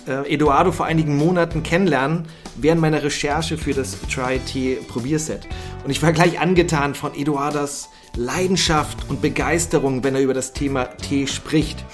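A man hosting a podcast, friendly and upbeat, interviewing a guest with long questions and a few fillers. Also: on the high side. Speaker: podcast host.

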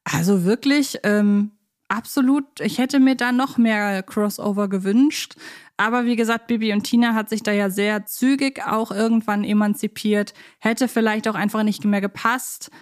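A woman talks as a podcast co-host. Her voice sits at a middle pitch for a woman, and she chats casually, wandering through long asides as fans do. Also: fairly even intonation, moderate pace. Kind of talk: casual fan podcast discussion.

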